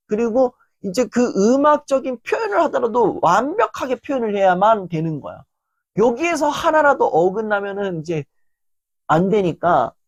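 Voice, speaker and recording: A woman giving a motivational lecture in a lively, animated way, often acting out quotes. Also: mid-range voice, no echo. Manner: animated, acts out quoted lines.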